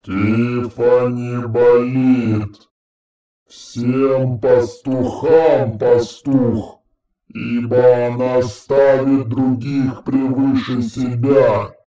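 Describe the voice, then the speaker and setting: A male narrator voicing the disembodied, ancient voice of the ocean in a storybook, speaking as a slow, solemn proclamation with a heavy echo. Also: mid-range voice, level tone, mellow, pitched below the performer's own voice. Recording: heavy echo, distant, dull sound.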